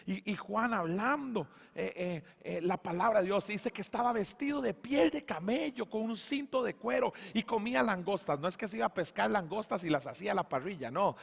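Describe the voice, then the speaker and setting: A man, preaching a sermon as pastor, telling stories animatedly and booming on key points. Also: moderate pace, gravelly, hardly any pauses, breathy edge. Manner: animated storytelling, voices characters, booming emphasis. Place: church sanctuary.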